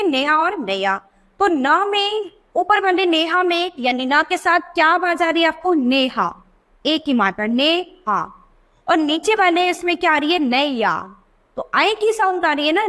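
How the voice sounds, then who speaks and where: A woman teaching young children a reading lesson. She asks questions and answers them herself, and she stretches out words slowly to show the sounds. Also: extremely high pitch, expressive, a bit bright.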